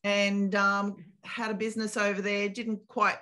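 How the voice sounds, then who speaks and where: A woman's voice: medium pitch, completely flat delivery, measured pace, sharp tone. A woman, a property consultant speaking earnestly and reflectively as an interview guest. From Australia. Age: 50s.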